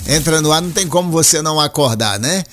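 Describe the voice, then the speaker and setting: A man's voice: a little high, animated, quick pace, fairly bright tone, faint music behind. A male radio host, chatting loosely about football and taking listener calls, tagging his sentences with a questioning lilt. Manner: chatty, lilting, tags lines with "né?". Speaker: radio sports and call-in show host. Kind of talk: casual radio chat and sports commentary.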